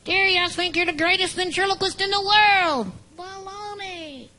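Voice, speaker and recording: A ventriloquist voicing a cranky old male dummy on stage, who does a mock canyon echo by repeating each word more softly. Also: moderate pace, heavily acted. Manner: folksy, wisecracking, lively swoops in pitch. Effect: mock canyon echo, repeating each word softer. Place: stage before an audience.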